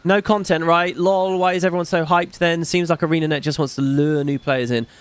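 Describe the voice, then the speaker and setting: A man hosting a casual gaming stream with a slight British lilt, rambling and self-deprecating, dropping curses between viewer comments. His voice sits a little high for a man. It is recorded close and dry, with no room sound. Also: fairly even intonation, brisk, clean tone, dry recording. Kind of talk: casual livestream chat reading donations.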